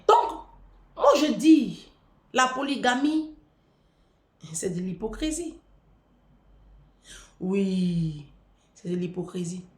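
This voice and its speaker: A woman's voice: lowish voice, a little mellow. A woman delivering a taunting, provocative vlog rant. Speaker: vlogger. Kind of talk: mocking monologue to camera. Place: room in France. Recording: echoey room.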